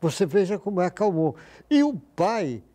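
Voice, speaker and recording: An older man recounts his doctoring stories in an easy, anecdotal way, slipping into other people's voices as he quotes them. His voice sits a bit high yet sounds mellow and relaxed. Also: moderate pace. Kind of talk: casual storytelling interview.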